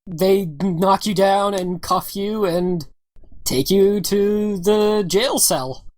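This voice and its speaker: A woman's voice: mid-range voice, slow pace, a little mellow. A woman narrating as game master of a tabletop game, casual and often laughing, with many "all right"s and "uh"s.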